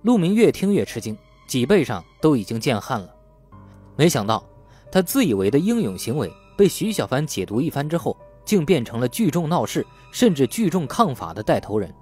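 A man reads a crime novel as an audiobook. His voice has a slightly rough, husky grain and moves in animated swings of pitch. Faint music plays behind him. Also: a little fast. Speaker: audiobook narrator. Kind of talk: scripted audiobook narration of a crime novel, acting out dialogue. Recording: faint music bed under the voice. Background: faint background music.

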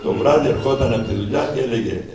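A man's voice: mid-range voice, dark tone. A man in his sixties, an author presenting his book, telling personal stories to an audience, speaking to them directly and acting out old conversations. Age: 60s. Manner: anecdotal, addresses listeners directly and acts out old dialogues. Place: event hall at a book presentation. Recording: echoey hall, distant mic, faint noise.

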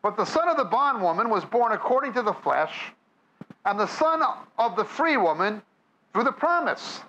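A man's voice: high-pitched, sharp tone, slight background noise, poor audio. A man with a New York accent preaching a sermon, reading scripture aloud and then explaining it to a live audience. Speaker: Bible teacher. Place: church or meeting hall with audience.

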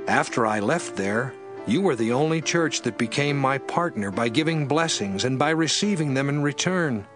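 A man giving a measured, expressive scripted reading of scripture as narrator. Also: mid-range voice. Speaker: Bible reader. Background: background music.

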